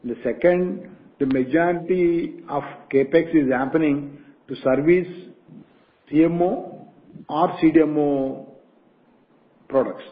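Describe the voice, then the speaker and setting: A man, a company executive answering analysts' questions on an earnings call in a measured, cautious way that often restarts phrases. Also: a little high. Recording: phone-line conference call audio.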